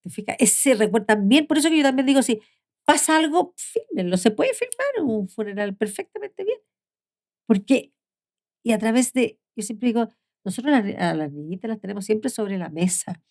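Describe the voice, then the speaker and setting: As an interview guest, an older woman shares heartfelt family stories in a fairly high, sing-song voice with a slightly gravelly edge, speaking at a moderate pace. It's a conversational interview, and her voice often drops to a soft hush before rising again.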